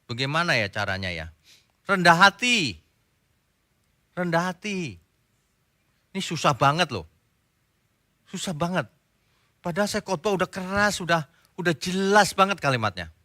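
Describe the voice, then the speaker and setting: A man's voice: sits high, sing-song, normal speed, long pauses, bright, forceful tone, no room sound, clean studio sound. A male pastor preaching a sermon in a direct, conversational way, often acting out little dialogues.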